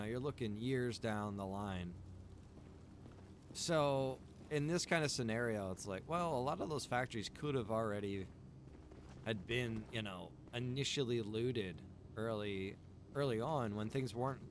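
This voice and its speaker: A man streaming a video game, chatting casually and thinking aloud in a rambling way. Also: medium pitch. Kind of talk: casual chat while playing a game. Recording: clear background noise.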